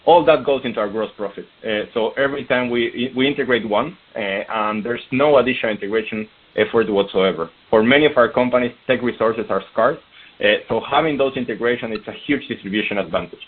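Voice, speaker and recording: A man's voice: medium pitch, fairly quick, breathy edge. A man answering questions as a company executive on an earnings call, explaining points and posing rhetorical questions. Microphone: conference call line. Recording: narrow, tinny phone-line sound.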